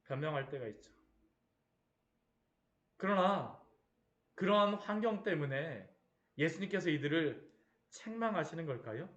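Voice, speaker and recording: Animated preacher with a high, echoey voice. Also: male voice, unhurried, pauses often, lo-fi sound. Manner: rhetorical questions, acts out the disciples' cries. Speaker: pastor. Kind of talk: sermon. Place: church.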